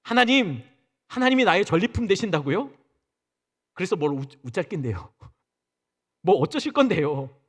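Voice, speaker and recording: A man's voice: high voice, big pitch swings, moderate pace, long pauses, in a large hall. A man preaching plays the old patriarch Abraham as exasperated and sulky, talking back to God in Busan dialect. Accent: Busan dialect in the put-on speech. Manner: petulant, sulky back-talk like a teenager.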